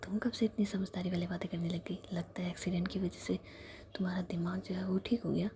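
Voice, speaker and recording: A woman's voice: lowish voice, flat delivery, fast talker, mellow, a little hiss or hum, close to an everyday voice. A woman whispering the part of an exasperated young woman who brushes off and scolds her friend. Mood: scolding.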